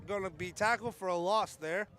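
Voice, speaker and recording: A man calls a high school football game at an outdoor stadium in wind and rain, joking with his partner between plays. His voice sits very high and sounds bright and sharp. He breaks into shouts when a big hit lands. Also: normal speed. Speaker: play-by-play announcer.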